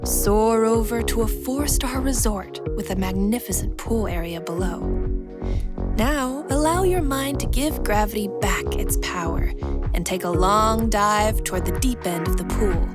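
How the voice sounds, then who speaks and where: Brief: female narrator, scripted scene-setting for audio fiction, mid pitch, strong music bed. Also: a little slow. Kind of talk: scripted present-tense story narration with guided imagery. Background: prominent music.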